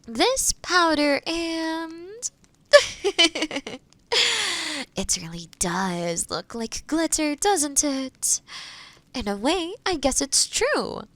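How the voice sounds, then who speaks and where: Kind fantasy witch, played by a woman: slightly high voice, unhurried, gentle, patient and a little hesitant, intimate roleplay delivery. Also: big pitch swings, no room sound, full character voice. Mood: cheerful, explaining. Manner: soft, caring, hesitant, explaining patiently. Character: kind, gentle forest witch brewing potions. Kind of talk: roleplay audio addressed to the listener.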